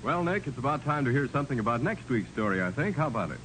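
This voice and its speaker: A man's voice: mid-range voice, sing-song, fast talker, low-quality recording. A man announcing in formal, emphatic 1940s radio style on a vintage broadcast. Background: music.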